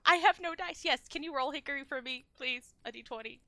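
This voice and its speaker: Playful, bright woman player. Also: high-pitched, brisk, dry recording. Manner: playful, laughing often. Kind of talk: casual game chat.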